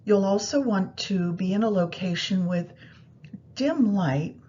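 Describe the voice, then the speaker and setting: A woman guiding a meditation practice in a soothing, unhurried manner, pausing between phrases. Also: lively intonation, mellow. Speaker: yoga nidra meditation guide. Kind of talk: guided meditation instruction. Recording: muffled, low rumbling background noise.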